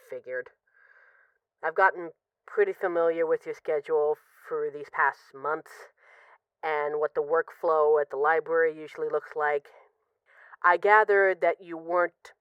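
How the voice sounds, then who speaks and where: A woman playing an apologetic, lovesick mafia boss who is guarded but vulnerable, speaking haltingly and confessionally in an intimate audio roleplay phone call. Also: low-pitched, smooth, no echo. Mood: wistful, hesitant. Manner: halting, confessional, with pauses and sighs.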